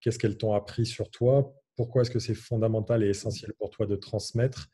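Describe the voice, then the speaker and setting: A man guides participants through an online coaching workshop, steady and encouraging as he explains each exercise. His voice is warm and dark, with a husky, slightly breathy edge. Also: fairly low pitch, moderate pace. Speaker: coaching trainer leading a workshop.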